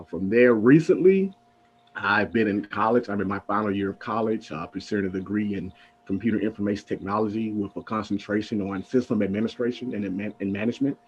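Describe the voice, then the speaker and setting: A man's voice: lowish voice, a little hiss or hum. A young man in his twenties giving an earnest self-introduction for a mock IT job interview, with frequent filler sounds. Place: home room on video call. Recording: muffled video call audio.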